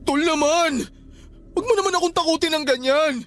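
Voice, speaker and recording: A man's voice: extremely high pitch, brisk. An actor playing a grieving young man who is frightened by his mother's ghost, with emotional radio-drama delivery. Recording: soft music underneath.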